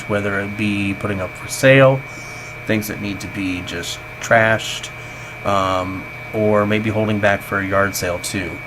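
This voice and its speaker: Tinny, low-pitched man's voice-over, noisy background. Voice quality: tinny, like talking through a tin can. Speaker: vlogger. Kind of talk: casual voice-over narration of housecleaning. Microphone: basic home microphone, voice-over. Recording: tinny home voice-over, clear background noise.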